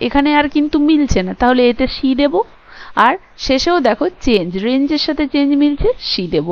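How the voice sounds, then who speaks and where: Female teacher, higher voice, lecture delivery, slow careful reading then chatty explaining, muffled lo-fi sound. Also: vocal fry. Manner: reads English text slowly, then explains it conversationally. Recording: dull lo-fi recording.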